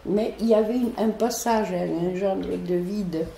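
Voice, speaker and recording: A woman with a foreign accent recounts her story slowly, with many restarts. Her voice is gravelly and dark. The recording has a roomy echo. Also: mid-range voice, a little hiss or hum. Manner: animated, hesitant storytelling with restarts. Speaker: interviewee, neighbourhood resident. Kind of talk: telling a personal story.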